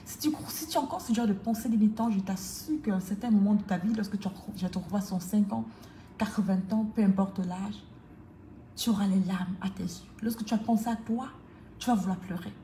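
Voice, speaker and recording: A woman's voice: mid-range voice, fairly quick, mellow. A woman coach giving a motivational talk to the viewer, emphatic and repetitive in a preaching cadence. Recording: echoey room with faint noise.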